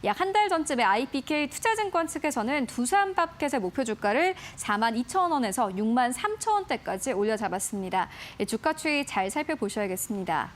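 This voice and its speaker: A woman presenting stock news briefings as a caster in a lively, clear tone. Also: high voice, fairly quick, hardly any pauses.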